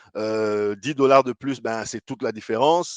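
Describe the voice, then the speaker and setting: A man speaks at a moderate pace with ordinary pitch variation. The sound is dry and close, with no echo. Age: 40s. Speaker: business commentator. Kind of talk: vlog monologue. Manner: conversational, with hesitations.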